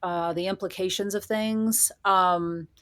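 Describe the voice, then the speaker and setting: A woman's voice: medium pitch, steady tone, slow pace, fairly bright tone, no echo, studio quality. A woman speaking as a guest in a casual interview, reflective and articulate in an informal way. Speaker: guest, horror fiction writer.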